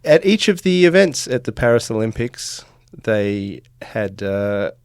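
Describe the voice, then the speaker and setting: A man's voice: on the low side, sing-song, measured pace, smooth, dry recording, clean studio sound. A middle-aged man from Australia, a sports reporter talking casually on a podcast, with many fillers and restarts.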